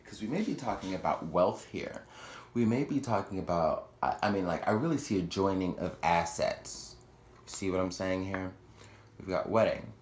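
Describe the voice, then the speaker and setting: A man with a very low voice talks through a tarot spread in a loose, chatty way. He stops now and then to correct himself or toss in a joke. The room is echoey, with a faint hiss behind him. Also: moderate pace, a little mellow. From Houston, Texas. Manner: chatty, self-correcting, playful asides. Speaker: tarot reader. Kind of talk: casual tarot reading.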